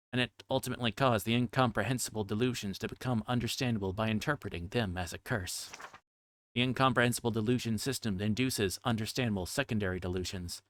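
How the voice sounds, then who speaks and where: A man's voice: fairly low pitch, fairly bright tone. A man livestreaming a game, reading its text aloud and sometimes stumbling over difficult words.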